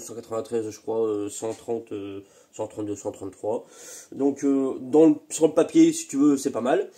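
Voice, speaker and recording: Here a channel host who tunes moped engines speaks casually in his workshop, his slight cold still leaving him a little congested. The voice is mid-range and mellow, and he drifts along with stops, starts and repeated words.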